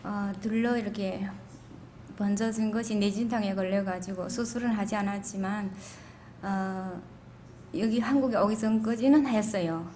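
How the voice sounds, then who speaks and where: A woman's voice: medium pitch, steady tone, normal speed, dark tone. A woman from China with a Korean-Chinese accent, giving a rambling personal testimony to a group. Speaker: seminar participant introducing herself. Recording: faint background room noise.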